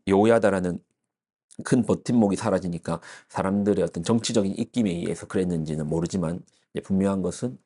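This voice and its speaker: Low, mellow-voiced male pastor preaching. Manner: explanatory, with frequent fillers and restarts. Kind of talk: early-morning sermon. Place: church.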